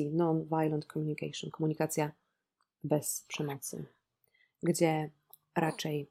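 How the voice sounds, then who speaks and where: With a low, slightly rough voice, a woman in her thirties reflects ironically on a novel for a podcast. She hesitates frequently and keeps asking her audience rhetorical questions.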